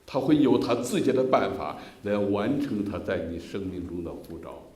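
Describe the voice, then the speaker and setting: A man's voice: lowish voice, lively intonation, moderate pace, a little mellow, roomy sound. A man from China preaching his testimony with passion, calling out hallelujahs and amens. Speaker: guest preacher giving testimony. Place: school assembly hall.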